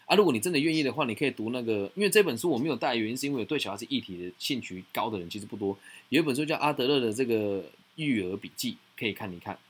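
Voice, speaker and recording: Fast-talking, husky man. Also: mid-range voice. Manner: frank, teasing, fast and animated. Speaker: podcast host and mentor. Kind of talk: casual advice chat.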